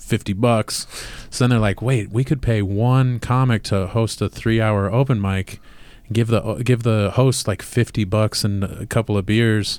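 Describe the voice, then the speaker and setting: With an ordinary speaking voice, a man talks at medium pitch and a fairly slow pace, his intonation fairly even. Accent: American. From Chicago area. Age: 40s. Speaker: stand-up comedian.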